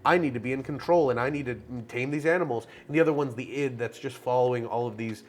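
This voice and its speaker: A man with a raspy voice talking casually and animatedly about a film, in long run-on thoughts full of fillers. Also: medium pitch, fast talker. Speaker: podcast host.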